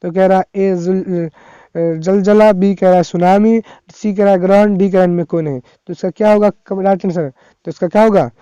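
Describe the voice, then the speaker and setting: A male teacher with a high, smooth voice runs a chatty exam revision session. He repeats each question and its options, then coaxes his students to answer. The tone is mellow and the recording is dry and close. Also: fairly even intonation, moderate pace, no room sound, dull audio. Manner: reads each question twice, then prompts students to comment; chatty, coaxing. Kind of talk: exam revision lesson, reading quiz questions aloud.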